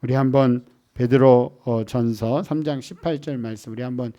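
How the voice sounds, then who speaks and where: A male missionary preaching a sermon in church. He tells a story, then leads the congregation in reading scripture aloud, swinging between soft, hushed storytelling and raised, emphatic lines. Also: medium pitch, steady tone, normal speed. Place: church service.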